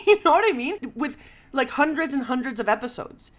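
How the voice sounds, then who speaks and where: A woman hosting a casual podcast conversation, expressive and exclamatory, slipping Spanish phrases into her English. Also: sits high, moderate pace. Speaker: podcast host and comedy writer.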